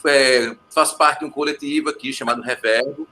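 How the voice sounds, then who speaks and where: Halting Pernambuco man, faint background noise. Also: mid-range voice, steady tone, bright, forceful tone. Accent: Pernambuco northeastern Brazilian Portuguese. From Pernambuco, Brazil. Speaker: composer, musician and producer guest. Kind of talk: casual interview chat.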